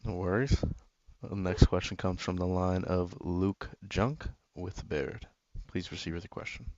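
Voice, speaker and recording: A man's voice: low-pitched, steady tone, measured pace, darkish tone. A man working as a conference call operator, formally and politely introducing callers from a script. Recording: dull, dry conference line.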